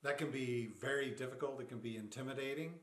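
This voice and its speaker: A man coaching product leaders in a short explainer, measured and plain-spoken, slowing down to stress his points. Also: medium pitch. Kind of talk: short explainer talk to camera. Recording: roomy echo.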